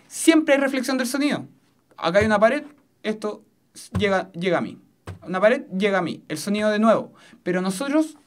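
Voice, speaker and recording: Teacher doing a physics class, explains slowly, keeps asking if you got it, foam-lined studio. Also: medium pitch. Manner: explanatory, often checks understanding. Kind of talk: recorded physics lesson.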